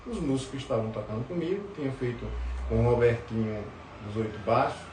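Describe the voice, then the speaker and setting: A man's voice: medium pitch, expressive, fast, a little mellow. A man with a northeastern Brazilian accent telling anecdotes in casual chat as a podcast guest, often repeating words as he goes. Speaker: podcast guest, forró musician. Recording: roomy, distant mic, faint background noise.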